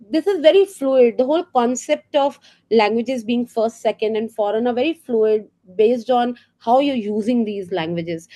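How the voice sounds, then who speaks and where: A middle-aged woman with an Indian English accent talks teachers through classroom ideas, her voice sitting a little high. She explains earnestly, checks in with rhetorical questions and fills pauses with small ums and uhs. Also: dark tone. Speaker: teacher trainer. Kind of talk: professional development talk for teachers.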